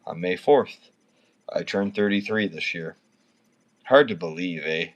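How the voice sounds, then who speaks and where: A gravelly, fairly low, sing-song voice belongs to a drunk Canadian man in his thirties. Speaking a little slowly, he slurs, rambles, and swears constantly during a casual livestream chat with viewers.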